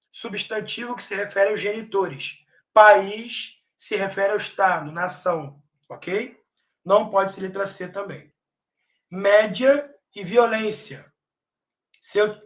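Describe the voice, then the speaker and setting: A Brazilian Portuguese-speaking man teaching an online grammar lesson for an exam, stressing key words loudly and checking in often with his students. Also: high-pitched.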